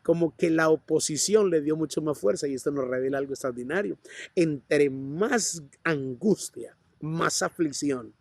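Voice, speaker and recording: A man's voice: on the high side, a little slow, gravelly, no room sound. A man preaching a sermon with a Colombian accent, passionately acting out the cries of the people in his story. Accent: Colombian Spanish. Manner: passionate preaching, acts out bystanders and the blind man's cries. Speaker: pastor. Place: church.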